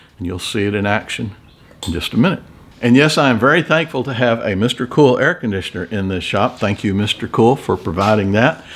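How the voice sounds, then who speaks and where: A man in a Texas accent with lively intonation, over noticeable background noise. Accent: Texas drawl. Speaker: car restoration YouTuber. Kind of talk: tutorial.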